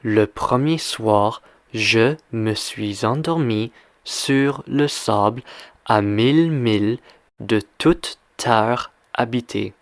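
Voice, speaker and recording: Male language teacher, extremely slow and deliberate, smooth resonant voice, dry close sound, drills questions. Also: mid-range voice, dry recording. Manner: deliberate, repeats and quizzes the listener. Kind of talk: slow question-and-answer reading lesson.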